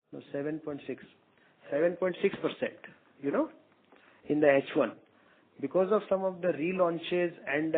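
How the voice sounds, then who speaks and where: A man with an Indian accent speaking as a company executive, answering questions off the cuff in a halting, repetitive way. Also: fairly high pitch. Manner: halting, repeats words and phrases. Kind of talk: unscripted business conference call answers. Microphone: phone conference call. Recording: muffled tinny conference phone line.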